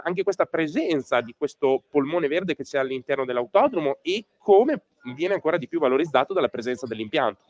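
Fairly high-voiced man. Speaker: radio co-host. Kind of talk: live radio interview chat. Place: indoors in a pub.

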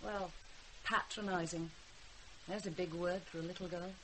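A woman's voice: fairly low pitch, steady tone, normal speed, natural voice. An actress playing a weary, sarcastic mother with a dry, brittle manner in a naturalistic radio drama. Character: weary, sarcastic mother of a rebellious teenage girl. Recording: hissy radio drama recording.

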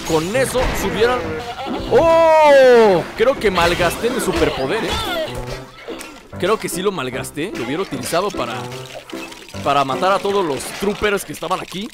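A man's voice: sits high, a little fast. A young man giving casual, joking gameplay commentary and talking back at the game. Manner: joking, animated, talks to the game. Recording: voice over loud game music.

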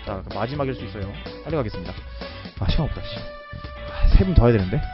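A man doing casual commentary as a game streamer, excitable and breaking into sudden loud shouts. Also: lowish voice, fast, dull audio, over music.

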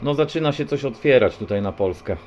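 A man's voice: medium pitch, lively intonation, fairly quick. A man working as a CB radio operator, talking casually as he exchanges contacts over the radio. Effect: CB radio transmission. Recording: muffled, very noisy CB radio recording.

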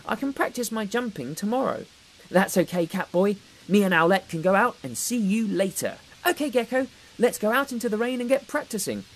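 A woman's voice: mid-range voice, lively intonation, a little fast, lightly acted, poor audio. A woman voicing an earnest, brave child superhero in an exclamatory way for a children's toy story. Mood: eager. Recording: music behind the voice.

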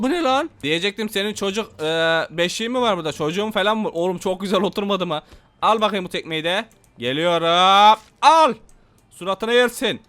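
A young man giving rowdy, excited commentary over a game, trash-talking and repeating himself. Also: sits high. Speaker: gameplay commentator. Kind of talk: excited let's-play commentary.

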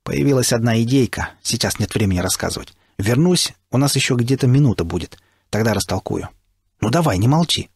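Male audiobook narrator, gravelly and husky, steady delivery, dry close sound. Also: medium pitch, fairly quick, no room sound. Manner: steady storytelling. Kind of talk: first-person audiobook narration.

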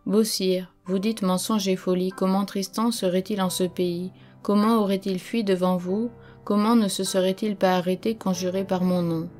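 Proud medieval queen, stately and reproachful, read by a woman, storybook, mid pitch. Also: steady tone, moderate pace, few pauses, a little mellow, soft background music, close to an everyday voice. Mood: indignant.

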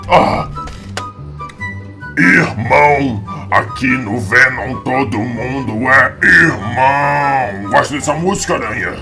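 A man voicing a hulking, hungry monster in an improvised comic game skit, with gravelly menace and theatrical exaggeration. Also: medium pitch, expressive, slow, over music. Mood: gloating, menacing. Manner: exaggerated, theatrical threats and cackles. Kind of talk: improvised comic video game role-play.

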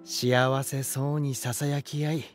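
A man as a slow, gentle, elegant lighthouse spirit. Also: mid-range voice, little pitch movement, lightly acted. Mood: wistful, fond. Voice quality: gentle, warm. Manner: unhurried, poetic, softly teasing. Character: elegant, gentle, romantic male lighthouse spirit, proud of his beauty. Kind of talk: Japanese voice drama monologue and dialogue. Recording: music behind. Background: music.

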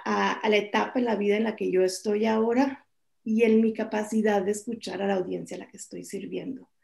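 Gravelly woman on a video call. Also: medium pitch. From Mexico. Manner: lively, candid, joking asides. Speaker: journalist panelist. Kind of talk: conference panel talk. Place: home office, indoors.

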